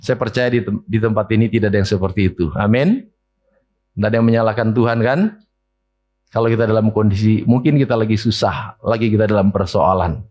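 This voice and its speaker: A man, preaching a sermon in a church, often asking the congregation questions and mimicking complaints in a higher voice. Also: fairly even intonation, a little fast, darkish tone, lo-fi sound. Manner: mimics whiny complaints in a high voice. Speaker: pastor. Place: church hall.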